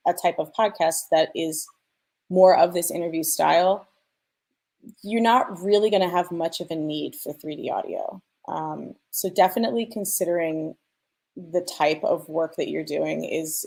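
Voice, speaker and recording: A woman with a fairly low, gravelly-edged voice talks as a guest sound designer. She explains technical work conversationally, as if to colleagues on a panel, and sketches examples as she goes. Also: warm tone.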